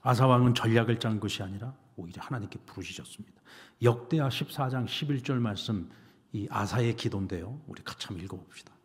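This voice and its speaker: A man's voice: medium pitch, quick pace. Pastor guy preaching, lots of questions to the crowd, mid voice, long church reverb. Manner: animated, rhetorical questions to the congregation. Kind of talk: sermon. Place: church sanctuary.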